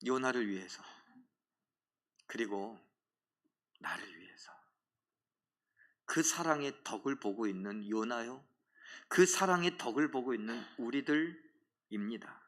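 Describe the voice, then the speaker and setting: A male pastor delivering a sermon to his congregation, asking them direct questions, dropping to a hushed near-whisper and then rising to loud exhortation, and acting out a prophet's angry complaint to God. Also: mid-range voice, lively intonation, measured pace.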